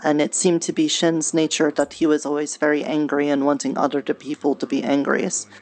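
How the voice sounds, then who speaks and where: Low-pitched woman in earnest, measured roleplay. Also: little pitch movement, a little mellow. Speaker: roleplay streamer playing a character. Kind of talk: improvised in-character roleplay conversation.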